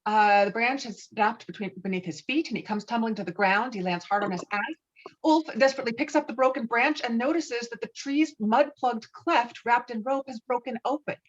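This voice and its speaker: A woman's voice: on the high side, a little fast. A woman narrating the stage directions of a screenplay in an online table read, with muffled lo-fi sound. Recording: muffled lo-fi video call audio.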